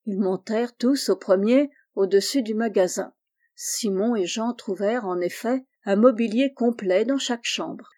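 A woman reading a classic novel aloud in a calm, measured way. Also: medium pitch. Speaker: audiobook reader. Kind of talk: scripted narration of a classic novel.

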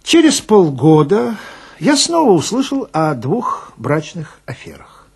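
A man with a very raspy, creaky voice tells a detective's tale in the first person. His delivery is conversational and wry, with lively swings in intonation. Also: high voice, slow pace. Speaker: storyteller playing a police detective narrator. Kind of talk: first-person dramatic storytelling.

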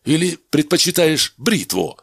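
A man voicing a cold, calm male doctor who speaks in measured, commanding phrases, with a husky voice, in a storybook reading. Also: a little high, dry recording, studio quality, pitched above the performer's own voice, heavily acted. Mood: menacing.

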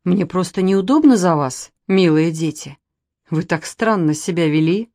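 A mild, polite father, as a woman reads him, speaking gently and slowly with a low, soft voice in a storybook reading. The sound is dry and close. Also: expressive, no echo. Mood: gentle. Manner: gentle, slow, mildly reproachful.

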